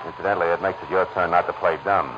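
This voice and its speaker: A man's voice: deep voice, little pitch movement, very fast, lightly acted. A man playing a tough, world-weary private detective in a 1940s radio drama, with a clipped, sardonic delivery. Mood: cool, needling. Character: hard-boiled male private detective, wry, tough, world-weary narrator. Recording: noisy, muffled old radio recording.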